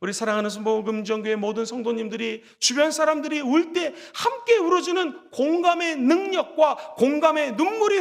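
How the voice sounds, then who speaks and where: A man preaching a Sunday sermon in a church sanctuary, his voice sitting very high for a man. He builds to dramatic rises and calls on the congregation to repeat after him. Long hall reverb trails every phrase. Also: fairly bright tone. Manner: preaching with dramatic rises and call-and-response prompts. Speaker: pastor.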